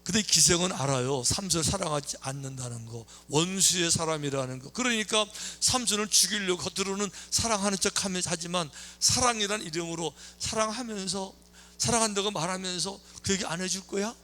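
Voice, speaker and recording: A man preaching a sermon as a pastor, telling stories in a lively way, acting out the characters' lines and tossing questions at the congregation. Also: high voice, fairly quick. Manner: lively storytelling, acting out quoted lines, chatty asides to the congregation. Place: church sanctuary.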